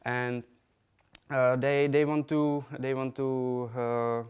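Young Czech man giving a halting talk. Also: mid-range voice, steady tone, clear, resonant tone, highs cut off. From Czech Republic. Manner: halting, many fillers and restarts. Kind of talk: conference talk with slides. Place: lecture room, indoors.

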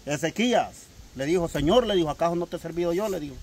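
A man's voice: on the high side, expressive, fast talker, darkish tone. A man talking about faith and retelling Bible stories, with a preachy, building emphasis. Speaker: religious cousin. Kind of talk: comedic sketch conversation.

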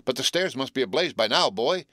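A man's voice: mid-range voice, animated, a little fast, sharp tone, no echo, clean studio sound, pitched above the performer's own voice. A man voicing a stout hotel keeper who anxiously warns against danger. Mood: alarmed. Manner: anxious, pleading.

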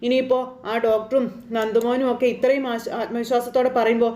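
A woman's voice: a little high, flat delivery, quick pace, warm tone, reverberant. A woman chattily retelling a TV serial episode, rambling with fillers and tag words. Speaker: serial recap narrator.

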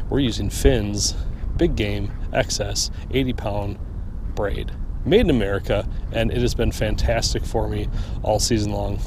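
Guy hosting a fishing vlog out on a lake, chatty and upbeat, action cam, wind noise all over. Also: lowish voice. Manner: chatty, upbeat gear talk. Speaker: fishing show host. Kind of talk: casual outdoor fishing vlog. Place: small boat on a lake outdoors. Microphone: action camera on the boat. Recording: wind and water noise outdoors.

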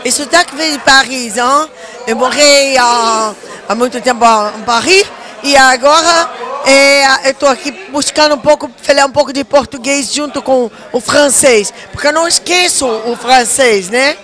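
A middle-aged woman, a chatty actress, talks up her next show backstage in a very high, bright voice. Faint crowd murmur sits behind her handheld mic. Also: normal speed. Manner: chatty, promotional, stretches words. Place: backstage at a theater, indoors. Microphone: handheld interview mic.

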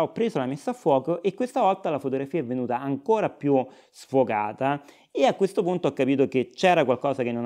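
A man's voice: mid-range voice, dark tone. A man narrating a casual vlog, chatty and explanatory with frequent hesitations. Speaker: vlogger.

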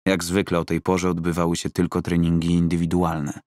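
A man's voice: low-pitched, completely flat delivery, brisk, darkish tone, dry recording. A man reading fiction as an audiobook narrator, close to a studio microphone.

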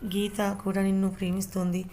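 A woman's voice: mid-range voice, completely flat delivery, fairly quick, dark tone, slight background noise, lightly acted. A woman reading as a curious young friend.

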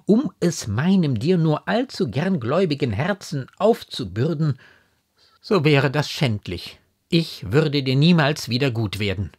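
A man's voice: medium pitch, darkish tone, slightly rough, voice pushed up. A man voicing a proud aristocratic mother in a classic novella reading, exclaiming in stern, elevated phrases. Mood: indignant. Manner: indignant, exclaiming, elevated diction.

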